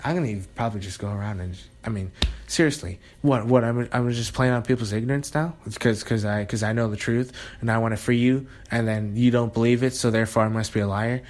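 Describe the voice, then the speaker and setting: A man's voice: mid-range voice, fast talker, a little mellow. A man talking in a rambling, sarcastic monologue, often breaking off and restarting. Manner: rambling, sarcastic, self-interrupting with laughs. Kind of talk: casual monologue.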